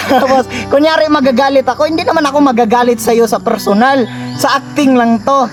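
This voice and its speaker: Very high-voiced man scolding, then coaxing. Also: fairly even intonation, a little fast, music in the background. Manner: mock-angry scolding, then coaxing and apologetic. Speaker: vlogger. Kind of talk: casual prank vlog.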